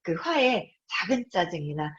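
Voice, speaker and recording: A woman's voice: lowish voice, sing-song, measured pace, slightly rough. A woman in her fifties hosts a live-streamed book talk, speaking straight to her audience and acting out her own thoughts and voices. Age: 50s. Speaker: host. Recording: dull lo-fi sound.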